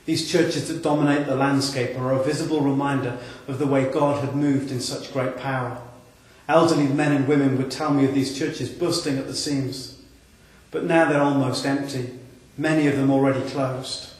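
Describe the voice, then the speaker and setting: A man's voice: medium pitch, fairly even intonation, normal speed, far from the mic. A Welsh man from South Wales, a pastor introducing a sermon series in an earnest voice with rhetorical questions, speaking in a large empty church. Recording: echoey church hall.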